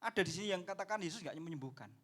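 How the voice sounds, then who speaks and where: A male pastor with a high-pitched voice, preaching a sermon to his congregation. He speaks with a lilt. He talks in an animated way and acts out the people in his story. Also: rapid-fire. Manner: addresses the congregation as "saudara".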